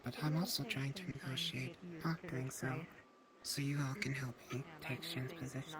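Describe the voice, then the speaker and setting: Woman playing a very deep-voiced haughty leviathan dragoness. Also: fairly even intonation, moderate pace, a crowd in the background. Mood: guarded, self-assured. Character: haughty, self-serving female leviathan dragon negotiator. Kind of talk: improvised virtual-reality roleplay.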